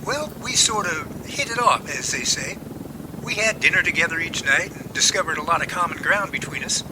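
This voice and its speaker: A man's voice: fairly high pitch, lively intonation, normal speed, background noise, natural voice. A man in an amateur audio drama playing an easygoing, newly confident man in love, earnest and plain-spoken. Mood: fond.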